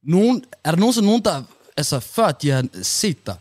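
Animated young man, lively pitch. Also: no echo, clean studio sound. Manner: animated, laughing, storytelling. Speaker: podcast co-host. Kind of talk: casual chat.

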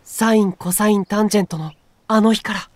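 A man's voice: sits high, steady tone, fairly quick, no room sound, natural voice. A man playing a timid, earnest young man in a voice drama, polite, deferential and hesitant. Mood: shy, sincere. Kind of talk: Japanese voice drama acting.

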